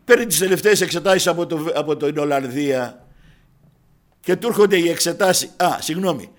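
Man, preacher, high-pitched voice, sermon storytelling, addresses listeners as brothers. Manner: acts out dialogue in quoted voices.

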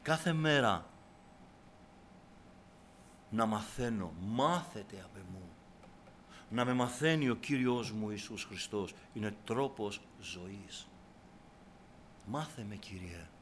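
A man preaching a sermon to a congregation, exhorting them and repeating his calls, swinging from soft, low asides to loud, fervent cries. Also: expressive, pauses often, a little hiss or hum.

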